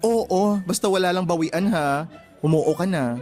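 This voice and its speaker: A man's voice: high-pitched, measured pace. Casting: male actor as closeted gay best friend, young, campy, sassy, scheming; radio drama with light music bed. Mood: coaxing. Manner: campy, sassy, gossipy storytelling. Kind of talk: radio drama dialogue, colloquial Tagalog with English slang.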